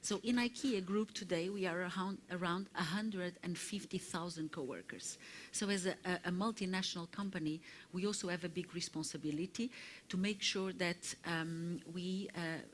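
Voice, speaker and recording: A woman with a low, deep-set voice addresses a conference audience on behalf of her company. She speaks in halting phrases, often pausing on "uh" and restarting. Faint noise sits under her voice. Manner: halting, with many "uh" fillers and restarts. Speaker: corporate public affairs speaker. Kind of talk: conference panel remarks. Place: conference hall.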